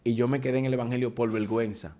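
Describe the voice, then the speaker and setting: A man, a preacher giving his testimony in an animated conversational way, often restarting his sentences. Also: mid-range voice, very fast. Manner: animated storytelling with frequent restarts.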